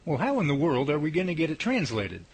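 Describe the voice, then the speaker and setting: Folksy, gravelly man playing an earnest Bigfoot researcher. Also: on the high side, huge pitch swings, quick pace. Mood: matter-of-fact. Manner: folksy, old-fashioned exclamations and idioms. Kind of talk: radio drama acting. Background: music.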